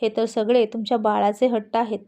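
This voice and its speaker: A woman's voice: fairly high pitch, flat delivery, a little fast, mellow, close to an everyday voice. A woman voicing a playful young pregnant wife.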